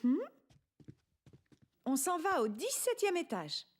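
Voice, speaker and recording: A woman voicing a patient, gentle mother in a cartoon, explaining things to her young son. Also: high-pitched, sing-song, takes it slowly, slight background noise, heavily acted.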